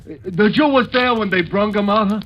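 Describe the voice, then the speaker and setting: Actor playing a dim simple henchman, very high voice, halting uh-filled speech, dull old radio recording. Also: a little hiss or hum, lightly acted. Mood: slow-witted. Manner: halting, full of uh and broken grammar. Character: slow-witted male henchman, simple and eager. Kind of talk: 1940s radio acting.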